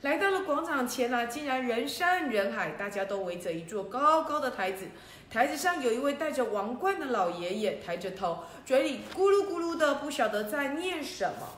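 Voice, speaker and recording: A woman hosting a children's story show, telling the tale in a lively way and speaking directly to the young listeners. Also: sits high, normal speed, a little hiss or hum. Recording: roomy echo.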